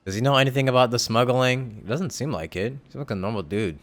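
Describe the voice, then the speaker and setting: A male game streamer chats casually on a livestream while playing a video game, with game music in the background. His voice sits in the mid range and he talks at a quick pace.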